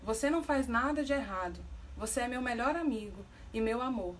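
A woman's voice: on the high side, animated, fairly quick, slight background noise, natural voice. A woman voicing a tearful wife pleading with her distant husband, read aloud plainly in a Brazilian accent.

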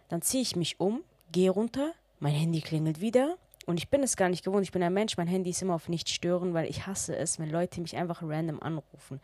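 A German woman in her twenties hosts a podcast, chatting casually through a storytime packed with quoted dialogue. Her voice is lowish and a little mellow, with no room sound.

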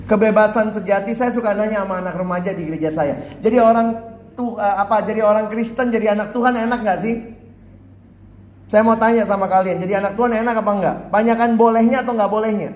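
A man's voice: high-pitched, fairly even intonation, fast, a little mellow, echoey room. A man preaching to teenagers as a youth pastor, telling stories animatedly and acting out voices. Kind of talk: sermon to teenagers.

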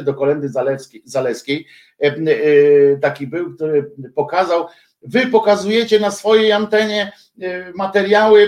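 A man's voice: a little high, darkish tone. Heated man ranting in an echoey room. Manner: heated, scornful, many hesitation fillers. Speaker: political commentator. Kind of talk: ranting monologue to viewers.

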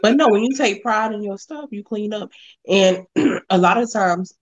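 A woman guest on a podcast, speaking in a relaxed, plain-spoken casual chat. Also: medium pitch, moderate pace. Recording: dull, muffled audio.

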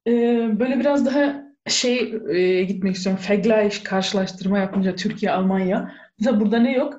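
A woman's voice: mid-range voice, brisk, darkish tone, lo-fi sound. A woman chatting casually and slipping in words and phrases. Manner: mixes in German words and phrases. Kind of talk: casual chat.

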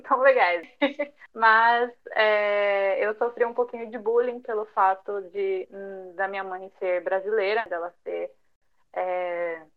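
A young woman chats as a podcast guest, filling her talk with small fillers and brief laughs. Her voice sits mid-range for a woman. The sound is a little dull and lo-fi. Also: mid-range voice. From São Paulo, Brazil. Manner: chatty, many fillers, light laughs. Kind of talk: conversational interview.

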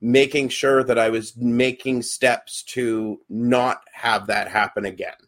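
A man's voice: medium pitch, level tone, takes it slowly, fairly bright tone. A young adult man, a podcast co-host and actor, chatting casually and hesitantly with many fillers and restarts.

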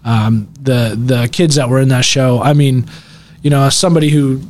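A man's voice: medium pitch, fairly even intonation, moderate pace, a little mellow. A man hosting a casual local radio chat show, joking at his own expense and tripping over names. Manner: self-deprecating, laughs often, stumbles over names. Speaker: host.

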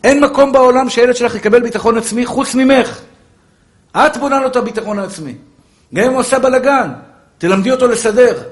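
A man with a high voice delivers a fervent sermon in a roomy, echoing space. He pleads with his listeners and calls them brothers and pure souls. Now and then he softens into gentle, coaxing asides. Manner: fervent preaching with sudden soft, coaxing asides. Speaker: rabbi.

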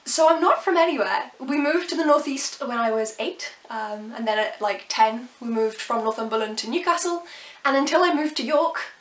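A woman in her twenties with a slightly softened received pronunciation accent, chatting casually to camera as a vlogger, laughing often and throwing in quick asides. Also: high-pitched, animated, roomy sound. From England. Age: 20s.

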